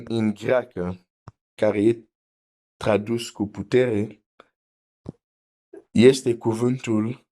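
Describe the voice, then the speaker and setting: A man's voice: lowish voice, mellow. A man preaching a teaching sermon, explaining carefully, repeating his points and reading scripture aloud.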